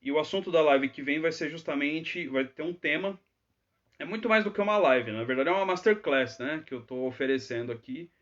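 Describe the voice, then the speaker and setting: Male English teacher, fairly high voice, chatty live Q&A style, muffled lo-fi stream audio. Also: expressive, fairly quick, fairly bright tone. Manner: chatty, frequent tag questions. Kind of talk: live Q&A lesson.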